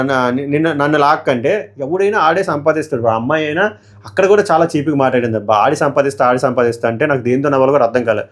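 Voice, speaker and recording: A hoarse young man giving a heated, argumentative review of a reality show episode and putting questions to his viewers. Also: a little high.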